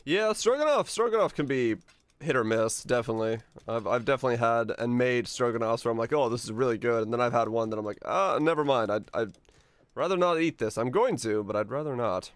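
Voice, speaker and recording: A man's voice: mid-range voice, lively intonation, fairly quick, clean tone, dry recording. Guy from finland streaming a game, chatting w chat, mid voice, musing n swearing a bit, dry mic. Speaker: game livestreamer. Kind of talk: casual chat with stream viewers.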